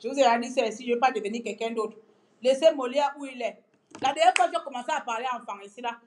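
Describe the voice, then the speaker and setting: A Gabonese-accented woman from Gabon ranting in a mocking, animated way in a casual vlog. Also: on the high side, fast talker, slight background noise. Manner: mocking, animated, breaks into song. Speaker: vlogger. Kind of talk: casual political rant.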